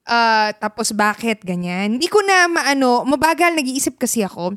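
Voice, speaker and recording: A woman's voice: a little high, moderate pace, no room sound, clean studio sound. A woman from Pampanga telling stories in a casual chat, mixing in English as she talks. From Pampanga, Philippines. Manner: animated storytelling, switches between Tagalog and English.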